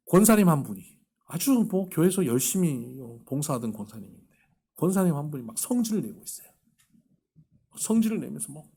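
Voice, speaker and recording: A male pastor with a fairly high, slightly rough voice preaches a sermon, animatedly telling stories and acting out the voices of the people in them.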